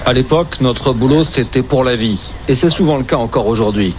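A man reading an earnest, steady voice-over translation for a port worker. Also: mid-range voice, fairly quick, a little hiss or hum.

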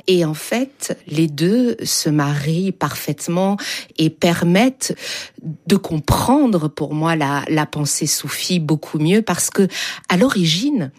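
A woman with a low voice answers interview questions slowly and thoughtfully. She pauses often and hesitates as she chooses her words. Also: lively intonation, a little mellow. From Germany. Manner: slow, thoughtful, pausing with hesitations. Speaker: interview guest.

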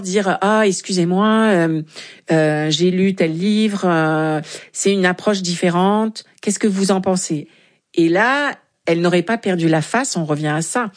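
A Franco-Canadian woman, an intercultural consultant, explaining ideas emphatically in a radio interview. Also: on the low side. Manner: articulate, emphatic, lists examples.

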